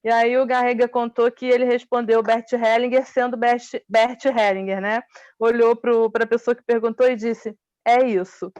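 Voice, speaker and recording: A woman's voice: fairly high pitch, flat delivery, moderate pace, darkish tone, no echo, lo-fi sound. A woman, a workshop participant on a video call, casually recounting an anecdote with small fillers. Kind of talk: casual storytelling.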